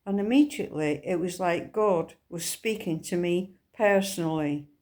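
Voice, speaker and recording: A Scottish woman hosting a Christian video, telling her personal faith testimony in an earnest, unhurried way. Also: fairly low pitch, a little mellow. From Scotland.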